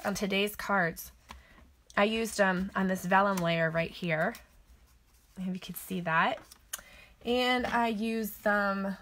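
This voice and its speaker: A woman's voice: mid-range voice, a bit bright, slight background noise. A middle-aged woman hosting a casual catalog walk-through, chatty and gushing, thinking aloud as she shows her cards. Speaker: papercraft demonstrator.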